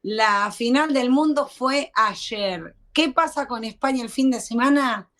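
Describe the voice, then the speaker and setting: A woman's voice: on the high side, a little slow, a bit bright. A woman from Argentina with an Argentine accent, chatting bluntly and teasingly with a stranger on a video call. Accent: Argentine Spanish. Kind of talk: casual video chat.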